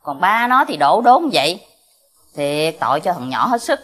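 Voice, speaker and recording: Southern Vietnamese accent, sympathetic neighbor, lively pitch, lamenting. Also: female voice, normal speed. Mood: resigned. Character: worried middle-aged neighbor woman. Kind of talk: TV crime reenactment drama.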